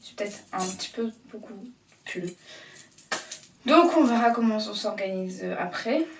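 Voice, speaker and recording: A woman with a medium-pitched, animated voice chats at a measured pace as she tidies her bedroom for a casual vlog. She is off-mic and distant in an echoey room, with slight hiss or hum and faint clatter, rambling and making fun of herself.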